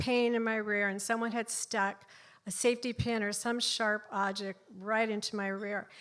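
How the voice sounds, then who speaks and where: A woman's fairly high voice with a bright, sharp tone at a moderate pace. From Los Angeles area, California (Compton). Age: 60s. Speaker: storyteller. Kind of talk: personal storytelling on stage. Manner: animated.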